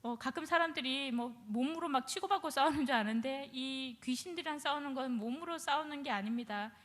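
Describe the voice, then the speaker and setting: A woman giving a personal testimony as a former shaman, telling her story in an animated way and acting out her own past words. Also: high-pitched, a little fast. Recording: long hall reverb.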